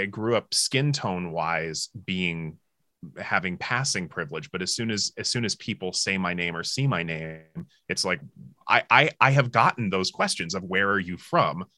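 A man from the United States on a casual panel chat, speaking in a hesitant way with halting restarts. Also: deep voice, sharp tone, no room sound, studio quality.

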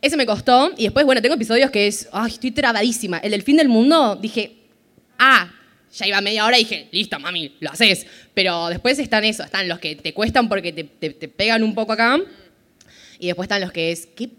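A woman's voice: mid-range voice, fairly quick, a bit bright. A woman with a Rioplatense accent co-hosting a live podcast on stage, telling stories and acting out the quoted exchanges. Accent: Rioplatense Spanish. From Argentina. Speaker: podcast co-host. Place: festival stage before a live audience.

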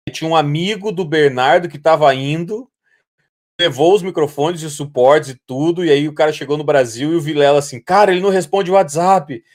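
A man's voice: fairly high pitch, brisk. A man with a Brazilian Portuguese accent in casual podcast conversation, informal and slangy, often repeating phrases. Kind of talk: casual podcast chat and anecdote.

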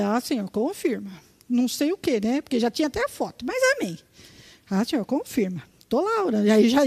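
High-voiced older Brazilian woman telling her story. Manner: animated storytelling with repeated words and quoted dialogue. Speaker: retired schoolteacher giving testimony. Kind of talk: religious testimony.

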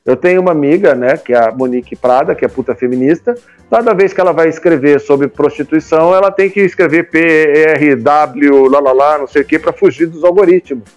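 Speaking a little fast and a little high, with barely a pause, a Brazilian-accented man in his fifties chats casually at length. He's a comics publisher being interviewed, and he often seeks agreement through tag questions. Faint music sits in the background.

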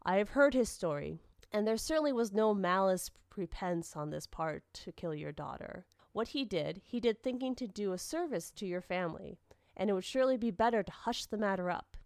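A woman's voice: mid-range voice, animated, darkish tone, no room sound, studio quality, lightly acted. Woman reading as a ceremonious old temple priest. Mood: reasoning. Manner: ceremonious, measured, declamatory. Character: genial old temple priest, courteous and shrewd. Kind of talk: dramatic storybook reading.

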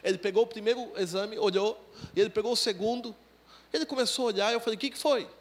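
A man with a very high voice gives a sermon testimony at a church service. He talks through the story casually, slipping into the voices of the people in it as he acts out their exchanges. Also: quick pace. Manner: conversational storytelling, acting out dialogue. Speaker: preacher.

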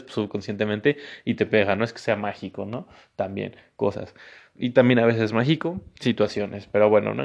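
Gravelly man, easygoing. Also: lowish voice, a little mellow. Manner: easygoing, rambling, encouraging. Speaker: podcast host. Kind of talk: casual solo podcast. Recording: dull lo-fi sound.

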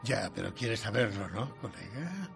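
A man's voice: fairly low pitch, very animated, unhurried, gravelly, fairly bright tone, full character voice. An older man playing an eccentric, theatrical aristocrat who rambles, in a film dub. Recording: film soundtrack with music under.

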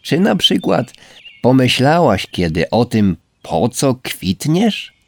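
A man voicing a proud, aloof male snail in a storybook reading, speaking slowly and coldly, as if lecturing. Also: medium pitch, big pitch swings, vocal fry, pitched above the performer's own voice, full character voice. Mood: haughty. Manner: slow, indifferent, lecturing. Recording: faint background music.

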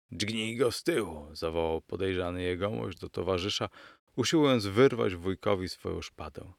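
Male audiobook narrator, very low gravelly voice, dry close-miked sound, old-fashioned storyteller. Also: no echo. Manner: storyteller addressing listeners as gentlemen.

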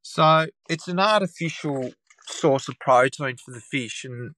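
An Australian man from Tasmania, croaky from a cold, explaining things at length as a podcast guest, with frequent restarts and "um"s. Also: mid-range voice, a little slow, bright, forceful tone. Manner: rambling explanations with many restarts and fillers. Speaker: guest taxidermist. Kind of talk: casual podcast chat.

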